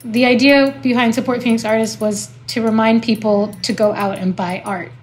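A woman from Israel whose first language is Hebrew, speaking in an earnest, reflective way with pauses as an artist and community organizer. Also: a little high, fairly even intonation, faint music behind. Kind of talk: interview soundbite.

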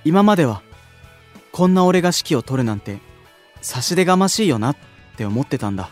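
Earnest young idol leader. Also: male voice, a little high, sing-song, fairly quick, soft background music. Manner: earnest, gentle, sincere. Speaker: unit leader, station-worker idol. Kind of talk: anime-style voice drama acting.

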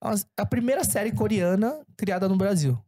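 A man's voice: high voice, moderate pace, dark tone, no room sound, clean studio sound. A man, an actor, chatting casually as a guest, often restarting his words. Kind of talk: casual conversation.

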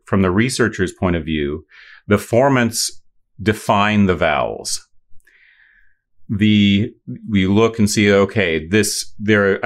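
A middle-aged man explaining voice science in an interview, thoughtful, with many fillers and restarts. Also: fairly low pitch. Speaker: voice science expert.

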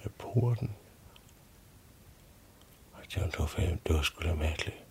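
Danish guy telling a bedtime story all crude and rambly, really low gravelly voice. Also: a little mellow, slight background noise. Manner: crude, swearing, full of fillers and restarts.

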